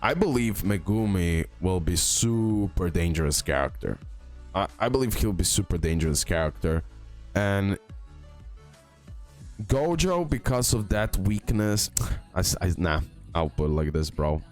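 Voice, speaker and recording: A deep-voiced video game YouTuber records an indoor screen-capture voice-over, giving casual tier-list commentary at a moderate pace with an animated tone. He sounds hesitant, thinking out loud and repeating phrases for emphasis, with a bit of music in the background.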